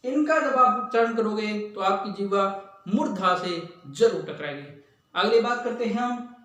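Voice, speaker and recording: A man teaching an exam-prep lesson, slowly drilling speech sounds one by one. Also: high voice, lively intonation, a bit bright. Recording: echoey room, far from mic.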